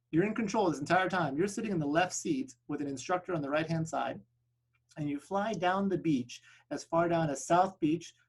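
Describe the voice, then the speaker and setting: A man whose first language is Spanish, presenting a flight school on a video call webinar in an upbeat sales-pitch manner, often tagging "right?" onto his points. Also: creaky, breathy edge, poor audio.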